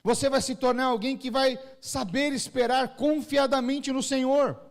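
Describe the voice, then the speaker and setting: Man, Brazilian pastor, São Paulo accent, high voice, animated sermon at a church service. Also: moderate pace. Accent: Brazilian Portuguese, São Paulo area. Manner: animated preaching, acts out crying babies and parents.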